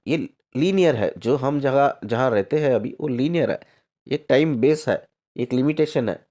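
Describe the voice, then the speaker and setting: A man's voice: medium pitch, darkish tone. A male spiritual coach explaining his ideas, asking rhetorical questions and checking in with the listener over and over, with English phrases slipped into Hindi. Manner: repetitive, rhetorical questions, frequent "theek hai" checks. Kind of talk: explanatory talk to camera.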